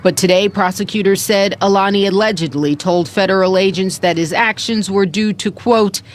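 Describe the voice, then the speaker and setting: A woman's voice: mid-range voice, a little fast. A woman with an American accent narrating a scripted news report as a correspondent.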